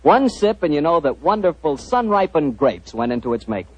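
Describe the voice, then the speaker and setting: Lively old-time radio announcer, man. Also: brisk. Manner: smooth, persuasive pitchman. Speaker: radio announcer and show host. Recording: muffled old radio broadcast.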